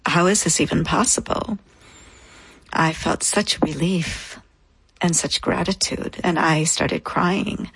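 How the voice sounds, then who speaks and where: A woman's voice: lowish voice, fairly even intonation, slow, a bit bright, husky, no echo, poor audio. A woman in her thirties, a guest in an interview, telling a personal story in an earnest, reflective way, in short phrases.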